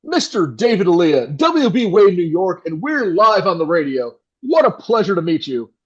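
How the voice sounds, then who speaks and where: A man's voice: high-pitched, big pitch swings, moderate pace, husky, muffled recording, full character voice. A man playing a slick, enthusiastic 1960s radio host who can turn into a crude jerk. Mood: polished, eager. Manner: enthusiastic, showy patter. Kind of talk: 1960s radio announcer acting.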